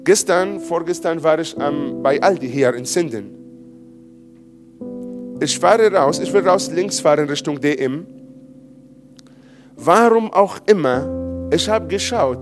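A man's voice: on the high side, lively intonation, slow, pauses often, over music. A man preaching in church in a conversational way, asking the congregation questions. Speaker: pastor. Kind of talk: sermon. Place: church service.

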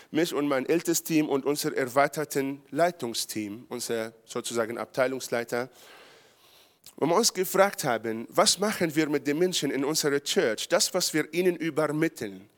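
A man from Israel, a pastor preaching a charismatic sermon in German with grammar slips, building to loud emphatic peaks. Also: a little high, moderate pace.

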